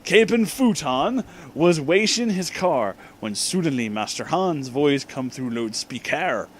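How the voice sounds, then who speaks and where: Man, comedic story reader, fairly high voice, very unhurried, deliberate mispronunciations. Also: expressive, a little hiss or hum. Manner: deliberately reads misspellings as written. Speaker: host reading fan fiction aloud. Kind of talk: comedic dramatic reading with asides.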